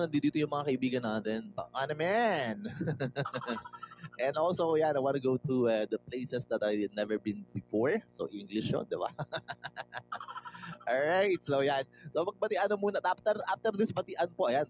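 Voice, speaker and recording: Dull, lo-fi livestream audio with faint background music and a little hiss or hum carries this Filipino man's mid-range voice. As host, he greets viewers by name in a casual way and reads comments out, mixing Tagalog and English freely.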